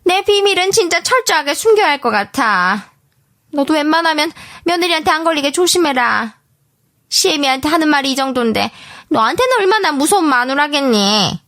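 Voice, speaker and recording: A woman voicing a scheming older mother-in-law who talks in a sly, insinuating way, pitched well above her own voice. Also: expressive, fairly quick, a bit bright.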